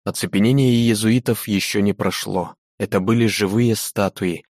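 A man's voice: on the low side, steady tone, moderate pace, a little mellow, no room sound, clean studio sound. A man reading a dramatic novel aloud in a grave, theatrical manner. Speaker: audiobook narrator.

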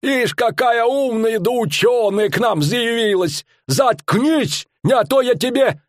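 A boastful, bellowing fairground barker with rustic old-fashioned speech, drawing out his words to draw a crowd. His voice sits very high and swings wildly up and down. The sound is dry and close. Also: lively intonation, no echo. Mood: indignant. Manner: bellowing, drawn-out showman's patter. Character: loud middle-aged male fairground barker, boastful.

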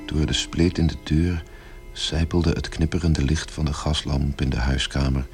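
Very deep male narrator over music. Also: steady tone, moderate pace, darkish tone. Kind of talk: scripted radio play narration.

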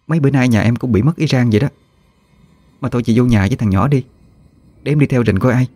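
A man's voice: medium pitch, fast talker, mellow, no echo, voice pushed up, natural voice. A man voicing a worried young woman, scolding urgently. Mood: calm.

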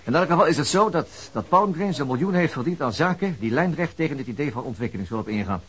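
A stern veteran Dutch detective. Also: male voice, a little high, expressive, fast, a bit bright, slight background noise. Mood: musing. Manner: blunt, musing, then commanding. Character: veteran male police detective, fifties, stubborn and firm. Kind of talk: Dutch radio drama acting.

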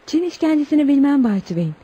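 In a Turkish radio play, an actress portrays an earnest young tribal woman who relates her story politely yet with indignation, in a grave, bitter mood. Her high voice swings widely in pitch, brisk and dark-toned, and the audio sounds dull.

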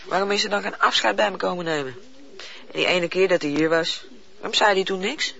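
An actor playing a timid bedridden young man who reads haltingly, stumbling with hesitant fillers in a radio play. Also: sits high, gravelly, sharp tone, exaggerated voice. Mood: troubled. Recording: dull lo-fi old radio recording.

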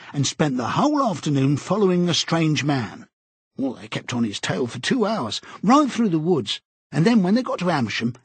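A man's voice: fairly high pitch, husky, dry recording, pitched above the performer's own voice, full character voice. A man doing a bluff, hearty busybody. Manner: jovial, chummy, pushy.

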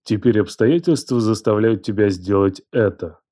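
A man voicing a cold, domineering man who speaks slowly and deliberately. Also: fairly low pitch, dark tone, close to an everyday voice. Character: cold, domineering young man, the narrator himself.

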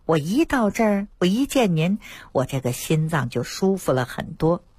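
A woman doctor, telling lively anecdotes about patients on a radio talk show. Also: on the low side, moderate pace, husky, no room sound, studio quality. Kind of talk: storytelling health talk on radio.

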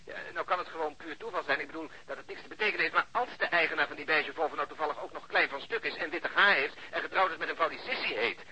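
An earnest male detective in a radio play. His voice is fairly high and very forceful, with a husky grain. He talks fast and insistently, as if pressed for time. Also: full character voice, poor audio. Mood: urgent. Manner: hurried, insistent. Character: urgent, earnest male police detective reporting by telephone.

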